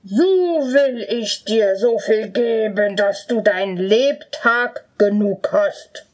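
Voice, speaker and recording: A woman voicing an arrogant male spirit trapped in a bottle, calling out in slow, loud, drawn-out words. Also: medium pitch, lightly acted. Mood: bargaining.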